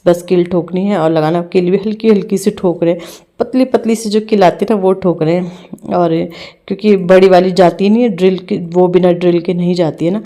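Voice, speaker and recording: A young woman narrates her home vlog in a chatty, homely way. Her voice sits a little low. She restarts and adds fillers as she goes. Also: dark tone. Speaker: home vlogger. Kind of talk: casual vlog voice-over narration.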